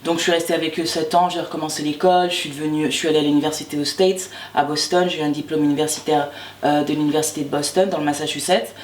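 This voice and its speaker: A talkative woman from Martinique tells her story in a relaxed, animated way, stumbling over repeated words as she goes. She sits some distance from the mic in an echoey room, with a faint hum of ambience behind her. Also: deep voice, fast talker. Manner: chatty, animated, many restarts and repeated words. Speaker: actress, interview guest. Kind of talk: casual interview chat.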